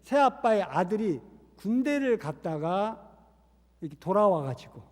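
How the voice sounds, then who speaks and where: A man's voice: high-pitched, big pitch swings, measured pace, a little mellow. A man who is a missionary preaching a sermon, telling a story earnestly. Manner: earnest storytelling, acting out quoted voices. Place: church sanctuary. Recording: reverberant church hall.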